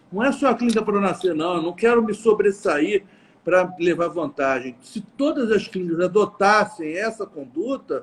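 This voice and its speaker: At a moderate pace, a man with a high pitch talks with lively intonation. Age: 60s. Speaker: fertility doctor. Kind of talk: live stream interview. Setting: online live stream. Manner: halting, frequent repetitions.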